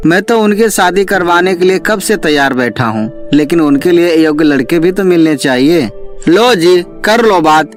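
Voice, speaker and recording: A man's voice: on the high side, normal speed, soft background music, close to an everyday voice. A man voicing a pushy, resentful village father in a cartoon moral story, goading and indignant.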